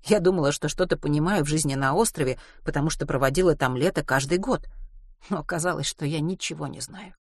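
A narrator reading a young woman's lines in a soft, confiding way in an audiobook. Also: low-pitched, fast, slightly rough, no echo, clean studio sound. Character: young woman recalling a harsh island winter.

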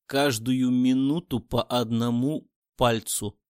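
A man voicing a cruel, sneering male crime boss in an audiobook, speaking slowly and coldly. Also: medium pitch, fairly even intonation, a little mellow, smooth, no echo, studio quality, lightly acted. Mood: cold gloating.

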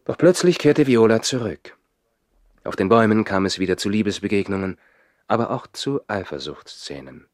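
Guy acting deep-ish romantic tree-dwelling baron, theatrical 60s radio drama, dry close sound. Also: expressive, moderate pace, no room sound, close to an everyday voice. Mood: wistful, recounting. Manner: theatrical, swinging from reflective telling to anguished outbursts. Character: passionate, lovesick nobleman who lives in the trees. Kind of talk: 1960s German radio play acting, narrating and dialogue.

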